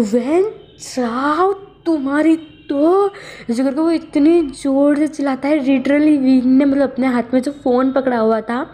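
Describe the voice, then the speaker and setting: A woman's voice: on the high side, mellow. A woman casually narrating a fan-fiction story, rambling with many filler words. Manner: loose retelling with frequent filler words.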